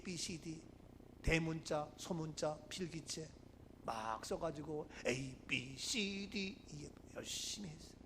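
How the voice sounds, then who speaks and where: A high-voiced pastor preaching with animated swings. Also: male voice, a little hiss or hum. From Gangwon Province, Korea. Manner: animated storytelling, swings from hushed asides to loud preaching. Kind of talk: sermon. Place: church sanctuary.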